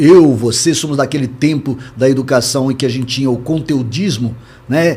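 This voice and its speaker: A man with a fairly high pitch talks at a moderate pace with ordinary pitch variation amid noticeable background noise. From Brazil, Guarulhos (São Paulo). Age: 60s. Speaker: business executive and professor. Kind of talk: interview. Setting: live-streamed talk show.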